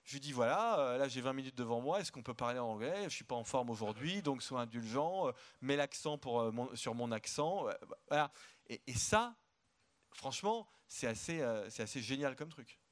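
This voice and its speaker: A man's voice: medium pitch, expressive, moderate pace. A man speaking as an economist guest in a live stage interview at a conference, outspoken and emphatic, often repeating words as he starts a thought. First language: French.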